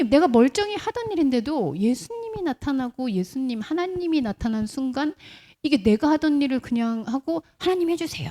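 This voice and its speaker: Animated woman preaching a sermon. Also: fairly high pitch. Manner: lively storytelling with rhetorical questions to the congregation; briefly acts out quoted voices in the middle of speech. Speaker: pastor. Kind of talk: conversational sermon.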